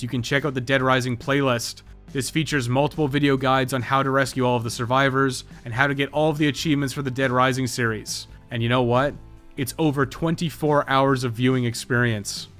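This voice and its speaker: A man's voice: medium pitch, fairly bright tone. A man narrating a scripted video game guide in a matter-of-fact way, with dry, wry asides. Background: background music.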